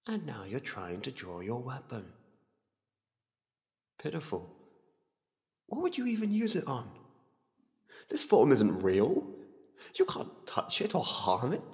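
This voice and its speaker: A man voicing an ancient void entity that calmly toys with its prey in an ASMR roleplay, slow, deliberate and condescending. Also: medium pitch, pitched above the performer's own voice, heavily acted. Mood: scornful, menacing. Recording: cavernous long reverb.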